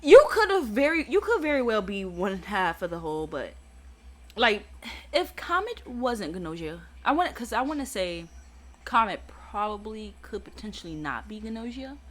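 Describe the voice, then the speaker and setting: A woman hosting a let's play, giving excitable game commentary that often stammers and reacts out loud. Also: mid-range voice, moderate pace.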